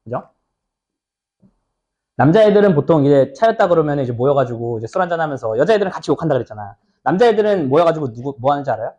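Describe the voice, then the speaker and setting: A man teaching English test passages in a chatty, informal lecture. His voice sits high and swings widely in pitch. He keeps checking in with his students and slips into little acted-out scenes to make a point. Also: sing-song, fast, warm tone, lo-fi sound. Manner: chatty, asks students "right?" often, acts out little skits. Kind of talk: lecture explaining an exam passage.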